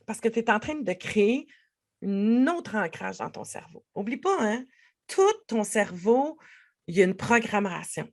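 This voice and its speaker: Animated Québécois woman life coach. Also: mid-range voice, unhurried. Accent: Québécois French. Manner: animated, speaks directly to the listener. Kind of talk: podcast monologue.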